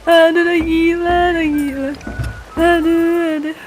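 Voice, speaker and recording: A woman's voice: extremely high pitch, level tone, a little slow, music in the background. A young woman streaming a game, laughing often and sighing in exasperation at her teammate. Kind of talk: casual live-stream chat.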